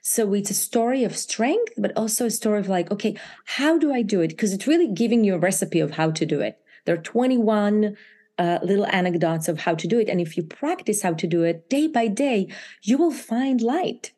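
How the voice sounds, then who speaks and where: A woman from Israel with an Israeli accent, an author talking animatedly about her book in an interview, often laughing and jumping higher for emphasis. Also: lively intonation, fairly quick, mellow. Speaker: author guest. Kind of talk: interview chat.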